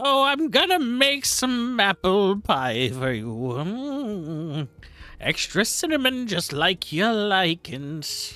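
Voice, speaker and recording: This put-on character voice sits at a middle pitch with very wide pitch swings. It moves at a very slow pace. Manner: sweet, doting.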